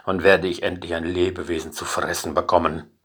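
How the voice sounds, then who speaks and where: A man voicing a hungry wolf in a spoken fairy tale, gruff and demanding, with a husky voice. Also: low-pitched, flat delivery, a little fast, fairly bright tone. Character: hungry wolf waiting in a dark forest.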